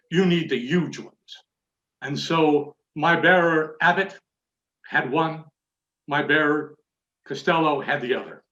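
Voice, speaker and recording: A man telling a mock-serious tall tale as a theatrical storytelling speech, with dramatic pauses and deliberate phrasing. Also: on the high side, fairly bright tone. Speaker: Toastmasters contest speaker telling a tall tale. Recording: echoey room, dull muffled audio.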